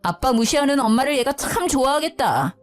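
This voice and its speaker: A woman voicing a sarcastic husband who belittles his wife's job, lowering her voice for him. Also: expressive, fairly quick, faint music behind. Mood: sneering. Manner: sneering, sarcastic.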